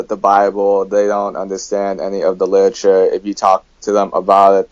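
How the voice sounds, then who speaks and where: A man from the United States chats as a guest, his voice on the lower side. He hesitates a lot with fillers and then states blunt opinions. The recording is dry and muffled. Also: a little mellow, no echo. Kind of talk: casual conversation. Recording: dull, dry lo-fi sound.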